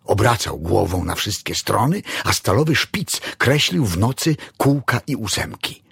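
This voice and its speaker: A man reading a story aloud in a dramatic, expressive style. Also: lowish voice, unhurried, vocal fry, breathy edge, no echo, studio quality. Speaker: narrator. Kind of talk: audiobook story narration.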